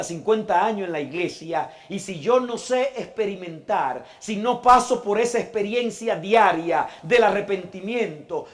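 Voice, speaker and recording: High-pitched guy preaching in church, goes loud then real quiet, lots of rhetorical questions. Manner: dramatic preaching, swinging from loud emphatic lines to hushed low ones; asks the congregation rhetorical questions. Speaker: pastor. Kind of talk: sermon.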